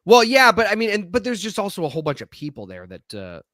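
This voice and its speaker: Guy on a podcast, scratchy allergy throat, rambly, bright punchy voice, dry sound. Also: high-pitched, wildly swooping pitch, fast talker, dry recording. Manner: rambling, restarts often, laughs. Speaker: podcast co-host. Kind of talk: casual chat.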